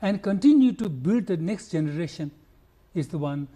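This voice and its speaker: An older Nepali man with a Nepali accent, a conservationist answering interview questions earnestly and haltingly, with restarts and fillers. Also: high voice, lively intonation, mellow. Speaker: conservationist guest.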